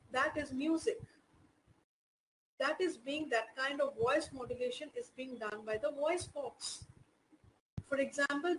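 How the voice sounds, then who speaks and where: A woman's voice: sits high, fairly bright tone, a little hiss or hum, low-quality recording. A woman teaching an online class in Indian English, explaining patiently with many "you know" fillers.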